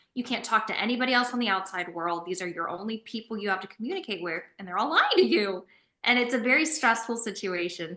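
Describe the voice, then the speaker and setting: A woman talks at a fairly quick pace in an animated, bright and sharp tone, with ordinary pitch variation. She has an American accent, and the background is quiet. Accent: Southern US, largely covered. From Mississippi, US South. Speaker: reality TV contestant. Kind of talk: interview.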